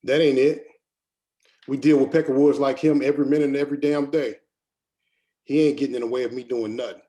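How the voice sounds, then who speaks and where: A man's voice: mid-range voice, steady tone, a little fast, dark tone, natural voice. A man playing a proud, skeptical miner who speaks plainly, in a screenplay table read. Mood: frustrated.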